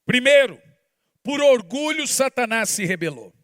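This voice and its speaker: High-voiced pastor preaching emphatically. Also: male voice, animated, unhurried, no echo, clean studio sound. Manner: emphatic preaching that swings between shouts and hushed asides. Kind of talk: sermon.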